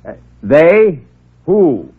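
A man voicing a brash, sarcastic newspaperman who talks high and pushy. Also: sing-song, husky, phone-quality sound, exaggerated voice. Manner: brash, sarcastic, fast-talking. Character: brash wisecracking male newspaperman.

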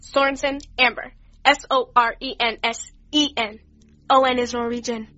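A woman's voice: on the high side, fairly even intonation, normal speed, pushed and bright, highs cut off. A woman playing a snarky teen girl witness. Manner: sarcastic, slangy, eye-rolling. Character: flippant underage female witness, sarcastic teen. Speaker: witness being questioned. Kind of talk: radio drama acting.

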